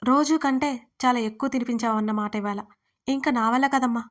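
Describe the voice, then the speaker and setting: A woman's voice: on the high side, brisk, natural voice. Woman voicing a lovesick young college girl. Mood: casual.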